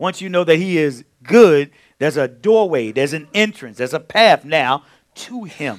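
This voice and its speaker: On a very clean recording with a silent background, a man talks loudly at a fairly slow pace in an animated tone. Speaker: pastor. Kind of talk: sermon. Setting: church with congregation.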